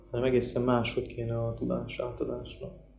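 A man's somewhat breathy voice has a dark, mellow tone. Audible room echo and light background noise are present. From Hungary. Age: 30s. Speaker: artist; interviewee. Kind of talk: interview. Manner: halting. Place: home room. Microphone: camera far.

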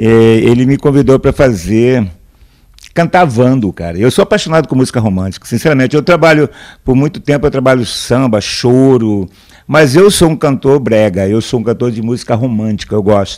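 Against a quiet background, a man of medium pitch speaks at a moderate pace with lively intonation. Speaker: singer-songwriter; interview guest. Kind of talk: interview. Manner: jovial. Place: home room. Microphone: handheld.

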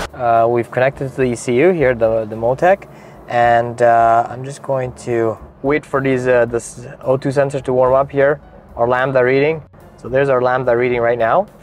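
A man's moderately paced, fairly even-toned speech, dry with no echo, over faint music in the background. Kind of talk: tutorial. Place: garage.

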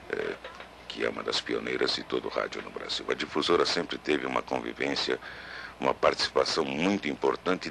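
A man speaks at a fairly quick pace. Noticeable background noise can be heard. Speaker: radio announcer. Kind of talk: interview answer. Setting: radio studio.

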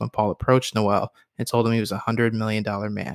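This is a man speaking. He has a Midwestern accent. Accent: general American (Midwestern). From US Midwest. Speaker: podcast host. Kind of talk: casual interview.

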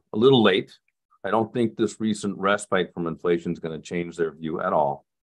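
A man with an unremarkable speaking voice talks at a fairly low pitch with ordinary pitch variation against a quiet background. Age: 60s. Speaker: economist; panelist. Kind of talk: panel Q&A; webinar presentation. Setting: video call. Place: home room. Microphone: video call.

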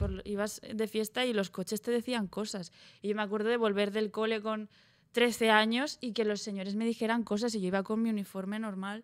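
Against a quiet background, a woman speaks fairly quickly. Her fairly high voice stays monotone and flat. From Gandia, Valencia, Spain; Valencia, Spain. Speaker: comedian and content creator; guest. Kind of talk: casual chat. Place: studio. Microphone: studio mic.

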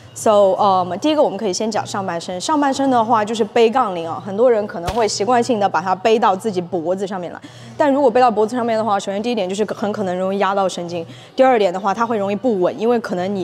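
Music plays in the background while the speaker talks at a very fast pace. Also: woman, ordinary pitch variation. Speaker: gym trainer. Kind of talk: interview answer / tutorial. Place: gym.

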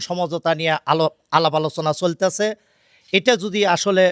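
A man's high-pitched voice, dry and close with no echo. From Bangladesh, Kazipur, Sirajganj. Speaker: parliamentary candidate and businessman. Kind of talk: interview. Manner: halting.

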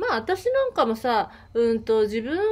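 Very wide pitch swings in a woman's high voice. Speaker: spiritual healer and YouTuber; YouTuber. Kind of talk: casual vlog chat. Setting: outdoors on a small island. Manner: relaxed, loose. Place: open country.

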